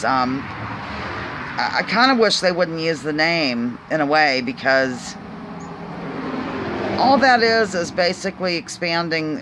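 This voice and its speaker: A woman's voice: a bass voice, background noise. A woman with a Pennsylvania accent hosting her own vlog, talking casually to viewers in a rambling, hesitant way full of ums and restarts. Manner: earnest, questioning. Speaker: vlog host. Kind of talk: casual musing monologue to viewers.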